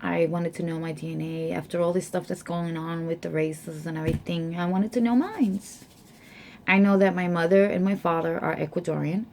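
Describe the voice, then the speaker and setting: A young adult woman from the United States, chatting casually to camera and reading out her results slowly, with many fillers. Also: on the low side, steady tone, gravelly, a little mellow, slight background noise. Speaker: vlogger.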